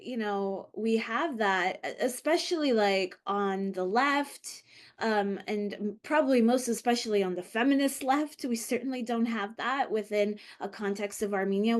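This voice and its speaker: A woman who grew up in Los Angeles after coming from Lebanon, co-hosting a podcast in a reflective, hesitant way with many fillers and restarts. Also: medium pitch. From Lebanon, raised in Los Angeles. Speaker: podcast co-host. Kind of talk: casual conversational podcast.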